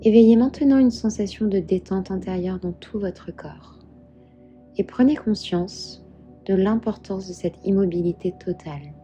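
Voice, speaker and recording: A woman guiding a meditation as a yoga instructor, calm and soothing, giving measured instructions. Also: mid-range voice. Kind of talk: guided meditation narration. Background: soft background music.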